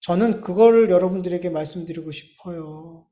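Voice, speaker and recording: A male pastor preaching a sermon in a church, emphatic, with drawn-out pauses and rising bursts. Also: sits high, mellow. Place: church sanctuary. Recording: echoey church hall, slightly dull sound.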